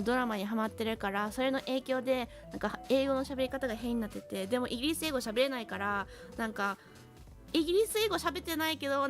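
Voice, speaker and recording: A woman live streamer with a fairly high, slightly bright voice chats casually and switches between languages. She uses slow, simple English for learners and reads out viewers' names in an upbeat, giggly way.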